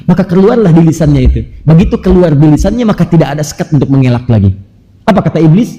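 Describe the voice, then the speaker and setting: Male preacher giving a sermon, quick and emphatic, mellow tone, long hall reverb. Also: a little high, animated, highs cut off. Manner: emphatic, with rhetorical questions to the audience; recites Arabic scripture quickly between explanations. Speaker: Islamic preacher.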